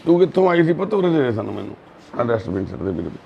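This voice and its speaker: A man doing social service on a live video, gently soothing a frightened girl and repeating his reassurances. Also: mid-range voice, sing-song, very fast, vocal fry, lo-fi sound, slight background noise. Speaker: social worker helping a lost girl.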